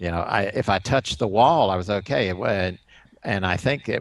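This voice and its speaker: In a Southern US accent, a man speaks with a very deep, low pitch and ordinary pitch variation. The recording is very clean with a silent background. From US South, East Tennessee and Atlanta. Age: 70s. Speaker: personal training client. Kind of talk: casual interview. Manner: halting, many fillers.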